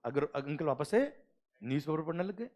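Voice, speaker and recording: Brief: middle-aged male lecturer, high and lively, acts out dialogue in class. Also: normal speed. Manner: animated storytelling, acts out dialogue, asks students questions. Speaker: GST lecturer. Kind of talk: classroom lecture with acted anecdote.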